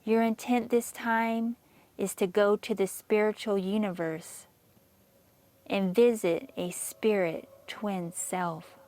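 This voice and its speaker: A woman reading a scripted guided meditation in a measured, soothing manner with long pauses. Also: medium pitch, fairly even intonation, a little mellow, no echo.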